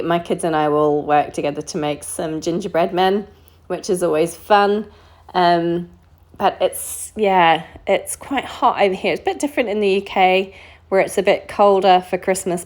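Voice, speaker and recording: Colouring at a home craft desk, this middle-aged New Zealand card maker narrates in an easygoing, low-pitched voice. The voice-over is chatty and relaxed, sprinkled with ums and little laughs.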